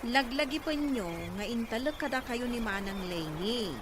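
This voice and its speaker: A woman's voice: a little high, normal speed, noisy background, natural voice. A woman playing an earnest, protective younger relative with a Filipino accent in an Ilocano audio drama. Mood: reproachful.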